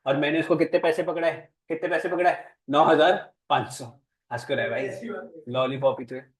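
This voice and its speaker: A man's voice: on the high side, steady tone, a little fast. Playful man teaching class. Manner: playful, teasing, questions students. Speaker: commerce teacher. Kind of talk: classroom lecture.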